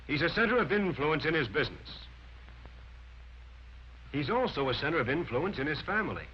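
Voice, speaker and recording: A man's voice: a little high, very animated, brisk, a little hiss or hum. A man narrating a 1940s sales training film, lecturing emphatically and counting off his points one by one. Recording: dull lo-fi 1940s film soundtrack.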